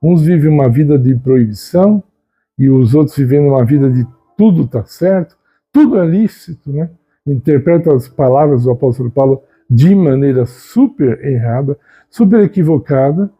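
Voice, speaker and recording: A man giving an unhurried, conversational spiritual talk, often tagging his sentences with a questioning "né?". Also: medium pitch, slightly rough, dull audio. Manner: unhurried, conversational, frequent "né?" tags. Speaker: Christian video host. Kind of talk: reflective spoken teaching.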